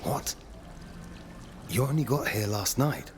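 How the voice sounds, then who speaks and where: Resolute young game warrior. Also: male voice, mid-range voice, takes it slowly, a little hiss or hum. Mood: shocked. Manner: terse, steady. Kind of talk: video game cutscene acting.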